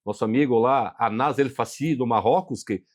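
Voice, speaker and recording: A man's voice: medium pitch, normal speed. A Brazilian man hosting an interview show, enthusiastically praising his guest and speaking directly to the audience. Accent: Brazilian Portuguese. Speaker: podcast host.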